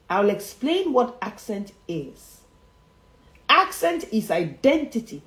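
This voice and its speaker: A woman, a speech coach teaching viewers emphatically, repeating her key phrases and often chuckling. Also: mid-range voice. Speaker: public speaking coach. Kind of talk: motivational livestream teaching. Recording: roomy echo.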